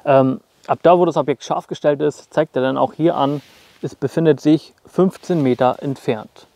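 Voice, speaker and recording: A man's voice: a little high, fairly even intonation, normal speed, mellow, no echo. Young guy rambling about his gear out in the snowy woods, lapel mic, dry close sound, lots of ähms. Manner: chatty, lots of fillers, addresses viewers directly. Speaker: outdoor gear vlogger. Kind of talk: casual gear walkthrough.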